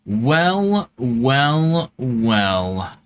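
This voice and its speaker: A man with a mid-range, clear, resonant voice hosts a live gaming stream, speaking very slowly yet very animatedly. He chats casually with viewers, joking around in slangy language and swearing offhandedly.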